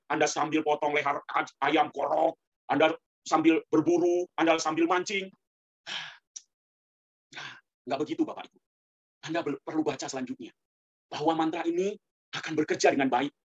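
A man's voice: on the high side, fairly bright tone. Chatty male preacher, dull lo-fi sound. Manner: colloquial, rhetorical, keeps addressing the congregation. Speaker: Buddhist preacher. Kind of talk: sermon.

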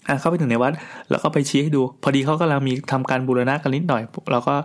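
A man's voice: medium pitch, fairly even intonation, quick pace. A middle-aged man casually telling a long personal story in a chatty, rambling way, with restarts and crude asides.

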